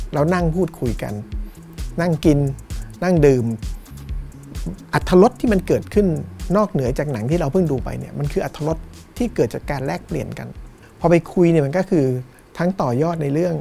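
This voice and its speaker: A middle-aged Thai man, a cinema owner, talking thoughtfully in an interview, unhurried and pausing to find his words. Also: on the high side, animated, creaky, mellow, faint music behind. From Thailand. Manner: thoughtful, unhurried, with fillers and restarts. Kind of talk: reflective interview talk. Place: small cinema in front of a screen, indoors.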